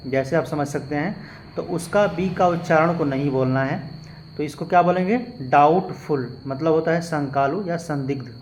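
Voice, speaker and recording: A man's voice: fairly high pitch, darkish tone, a little hiss or hum. A man teaching a lesson, patiently explaining and spelling out words letter by letter. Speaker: English teacher. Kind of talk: spoken lesson with spelled-out examples.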